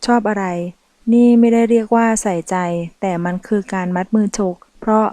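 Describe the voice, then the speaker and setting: Woman audiobook narrator, steady even reading, mellow warm tone, dry close sound. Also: medium pitch, normal speed, no room sound. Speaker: audiobook reader. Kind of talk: scripted narration of a romance novel.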